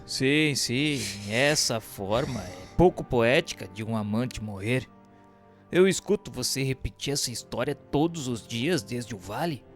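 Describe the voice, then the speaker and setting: A man's voice: medium pitch, animated, a little slow, close to an everyday voice. An actor playing a sardonic dead man who recounts his afterlife in theatrical, literary radio novel style. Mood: mocking. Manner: theatrical, mocking, literary diction. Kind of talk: dramatized first-person radio novel narration. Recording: long hall reverb, music underneath.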